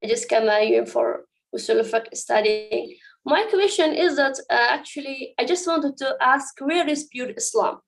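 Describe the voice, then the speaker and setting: Female student questioner, twenties, from Afghanistan; high voice, earnest and searching, unscripted. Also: normal speed, vocal fry. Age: 20s. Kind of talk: spontaneous spoken question.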